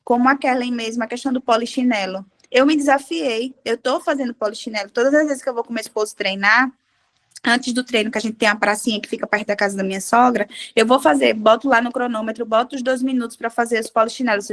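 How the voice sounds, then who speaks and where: A woman with a high, bright-sounding voice shares her testimony in a relaxed devotional chat among women. She tells her stories animatedly and acts out the dialogue as she goes. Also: fast. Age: adult with a child. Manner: animated storyteller, acting out dialogue. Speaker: devotional group participant.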